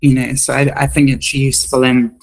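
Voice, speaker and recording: A woman's voice: a bass voice, little pitch movement, brisk, gravelly. A woman speaking as an interview guest, reflecting in an earnest, thoughtful way. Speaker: interview guest, comedy performer.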